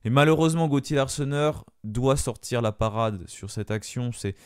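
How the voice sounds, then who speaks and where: A man's voice: mid-range voice, moderate pace, smooth, dry recording. A man giving a solo spoken debrief of a football match, hesitant, with many fillers and restarts, into a close microphone. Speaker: fan channel host.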